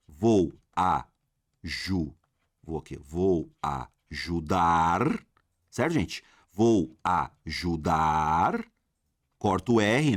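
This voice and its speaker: A man with a Brazilian Portuguese accent teaching a lively exam-prep grammar lesson, talking straight to his viewers and asking himself questions. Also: lowish voice, no echo, studio quality. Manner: animated, addresses viewers as "galera", asks himself questions.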